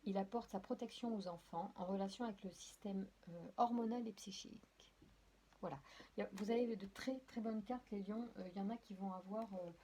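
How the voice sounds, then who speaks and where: A hesitant woman with a dark, medium-pitched voice reads tarot cards a little fast, with slight background noise behind her. She speaks directly to viewers in this casual spoken card reading, apologizing and using many fillers and restarts. She's a tarot and oracle card reader.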